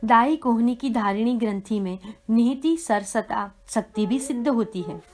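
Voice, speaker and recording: A woman giving a measured, reverent devotional scripture reading. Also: a little high, a little mellow. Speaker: reader of a devotional text.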